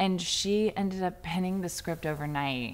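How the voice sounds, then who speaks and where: A woman with an American accent speaks at a moderate pace in a fairly low pitch, with fairly even intonation and a plain, everyday voice. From United States. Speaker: filmmaker. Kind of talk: interview. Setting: showroom at film event. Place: home room.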